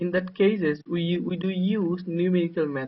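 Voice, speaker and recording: A man is speaking. He has a Bangladeshi accent. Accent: non-native, Bangladeshi. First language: Bengali. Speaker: university mathematics lecturer. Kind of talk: lecture. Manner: halting, many fillers and repetitions.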